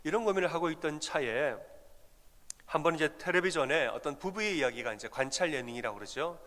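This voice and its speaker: Pastor with a slightly high voice in a reverberant hall. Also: male voice, expressive, brisk, fairly bright tone. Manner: conversational, asks the congregation questions. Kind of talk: storytelling sermon. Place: church sanctuary. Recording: long reverb of a church hall.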